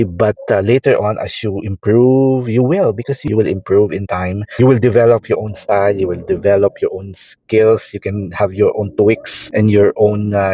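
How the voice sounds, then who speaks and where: A man's voice: fairly low pitch, mellow, no echo, rough recording. A man from the Philippines with a Filipino accent and Tagalog as his first language, talking casually through an art tutorial, rambling and repeating himself with many fillers. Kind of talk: casual tutorial talk over drawing.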